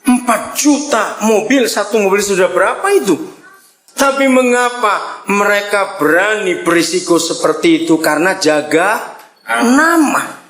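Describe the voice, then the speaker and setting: High-voiced older man preaching with humor. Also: measured pace, roomy sound. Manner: lively, joking, asks the congregation questions. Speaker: pastor. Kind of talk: sermon. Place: church before a congregation.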